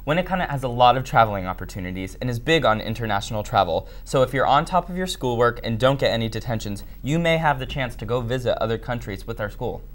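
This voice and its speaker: Teen co-anchor, really low voice but jumping around a lot. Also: female voice, animated, fast talker, hardly any pauses. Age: teens. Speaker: student news co-anchor. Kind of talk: scripted anchor banter.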